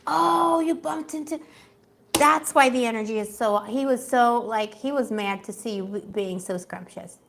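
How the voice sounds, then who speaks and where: Gossipy tarot streamer, woman, slightly high voice, a bit worn. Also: unhurried, creaky, background noise. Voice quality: gossipy, chatty, laughs often. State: losing her voice. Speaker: tarot reader. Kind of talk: casual livestream tarot reading.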